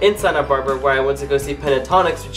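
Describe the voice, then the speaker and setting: A man speaks very rapidly. Clear music can be heard behind him. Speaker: vlogger. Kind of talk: casual vlog chat. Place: home room. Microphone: webcam.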